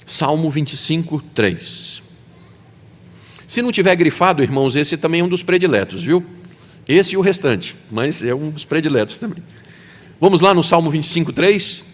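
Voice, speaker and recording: A man's voice: a little high, animated, normal speed. A man with a Brazilian Portuguese accent, preaching a sermon as pastor and acting out quoted voices. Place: church sanctuary. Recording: long hall reverb.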